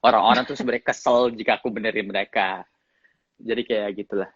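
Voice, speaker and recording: A man with a slight English accent in his Indonesian, an actor chatting casually in an interview, relaxed and often laughing. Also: fairly low pitch, fast talker, slightly rough, no echo, muffled recording. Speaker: actor guest.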